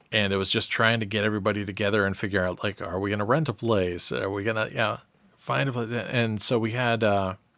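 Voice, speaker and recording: Speaking at a very fast pace, a man talks in a fairly low pitch. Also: ordinary pitch variation. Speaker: streamer and band musician. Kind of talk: casual live stream chat. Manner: hesitant, many fillers.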